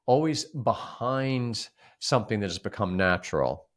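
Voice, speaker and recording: A man co-hosting a reflective conversational discussion, speaking haltingly with frequent repeated words and restarts. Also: fairly low pitch, animated. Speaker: podcast co-host.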